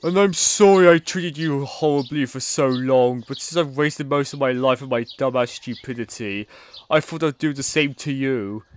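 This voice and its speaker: A remorseful former villain comedian, now a frog puppet, played by a man in an audio play. He talks in an ordinary mid-pitched voice, earnest and plain. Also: moderate pace, slight background noise, lightly acted. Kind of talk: hobby audio play acting.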